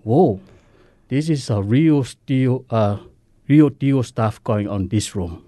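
A Samoan man, whose first language is Samoan, speaking earnest, halting English as a guest in a radio interview. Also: mid-range voice, dark tone, no room sound, clean studio sound. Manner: earnest, halting, simple non-native English. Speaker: guest sharing recovery story.

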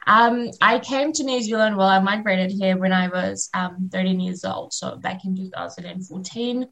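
A woman's voice: medium pitch, normal speed, gravelly, a bit bright, low-quality recording. A woman in her twenties from Fiji, chatting casually as a radio interview guest and laughing easily. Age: 20s.

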